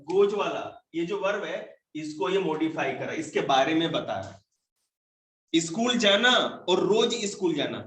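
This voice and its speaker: A man's voice: a little high, lively intonation, unhurried. A man with a Hindi accent teaching grammar to a classroom of children, joking and quizzing pupils by name. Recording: echoey room, faint noise.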